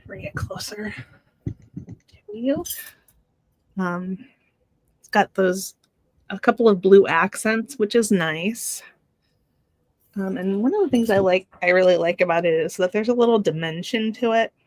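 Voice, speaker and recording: A woman hosting a casual live jewelry sale, talking in an unhurried, halting way with fillers and restarts. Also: medium pitch, no echo, low-quality recording. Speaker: host selling vintage jewelry live.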